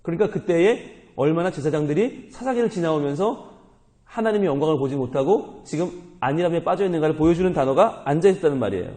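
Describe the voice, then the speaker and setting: Male pastor, sermon, animated and humorous, slightly high and mellow, reverberant hall. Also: fast. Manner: animated, humorous, engages congregation with questions.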